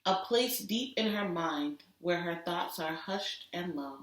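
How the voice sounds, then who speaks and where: A woman teacher giving an expressive storybook read-aloud for children, deliberate and with dramatic emphasis. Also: on the low side, slight background noise. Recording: roomy echo, distant microphone.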